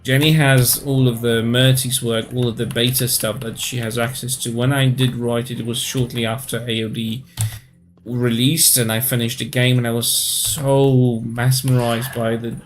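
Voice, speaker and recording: A man in his thirties from Poland, speaking English with a Polish accent in a casual live-stream chat, pausing often to search for words. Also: mid-range voice, level tone. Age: 30s.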